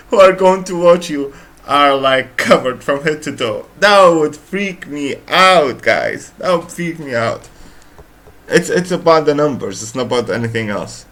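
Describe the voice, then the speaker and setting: A man from the Arab world hosting a reaction video, halting and repeating words as he comments. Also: on the high side, expressive, a bit bright.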